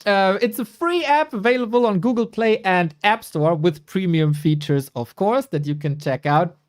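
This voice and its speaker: A man's voice: high voice, normal speed. A man from Germany, hosting a live esports broadcast and reading a sponsor spot in a chatty, playful, self-mocking way. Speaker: esports caster and host.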